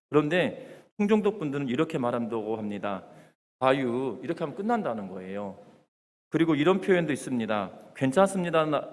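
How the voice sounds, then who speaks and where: A male pastor from the Jeolla region, with a Jeolla accent, giving a Sunday sermon in a relaxed, conversational way with fillers and light humor. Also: mid-range voice. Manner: conversational with fillers and joking asides. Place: church sanctuary. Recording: church hall reverb.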